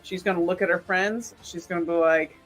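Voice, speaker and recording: A man with a fairly high voice takes part as a player in a tabletop game. He talks casually and haltingly, with faint music underneath. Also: steady tone, fairly bright tone, low-quality recording.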